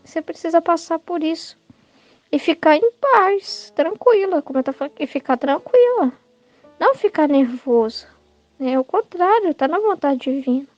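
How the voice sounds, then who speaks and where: A Brazilian woman with a high, mellow voice gives informal Catholic teaching, keeping it conversational and tagging her points with "né?". The sound is dry and a little dull, as if from a modest mic. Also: animated, normal speed, no echo, soft background music. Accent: Brazilian Portuguese. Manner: conversational, keeps adding "né?", acts out quoted thoughts.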